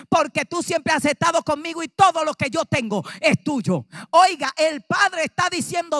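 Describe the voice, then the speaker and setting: Dominican lady pastor preaching, high bright voice, acts out the dialogue, shouts at times, dry close sound. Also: dry recording. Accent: Dominican Spanish. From Dominican Republic. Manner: animated preaching, acting out dialogue, rising to shouts. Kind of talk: sermon.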